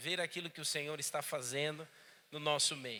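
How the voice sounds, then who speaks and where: A man in a Goiás accent with a bright, sharp tone. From Brazil, Goiás. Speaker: pastor. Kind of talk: sermon. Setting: church conference with audience.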